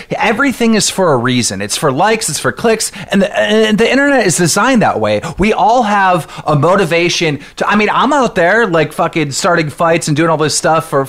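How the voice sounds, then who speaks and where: A man's voice: a little high, fairly bright tone. A man hosting a podcast, arguing hard and swearing as he confronts a guest. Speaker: podcast host. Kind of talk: heated podcast debate.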